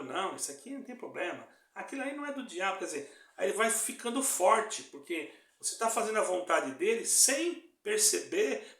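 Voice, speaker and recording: A man's voice: high-pitched, fairly bright tone. A man preaching an online sermon as an evangelist, earnest and repetitive, often checking that his listeners follow. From Brazil. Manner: earnest, repeats phrases, asks "tá entendendo?". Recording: echoey room.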